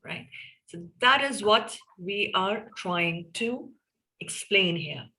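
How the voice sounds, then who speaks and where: A woman's voice: mid-range voice, animated, takes it slowly, pushed and bright, poor audio. A woman with an Indian accent moderating an online meeting, encouraging participants to speak up. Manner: encouraging, prompts participants by name. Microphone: video call.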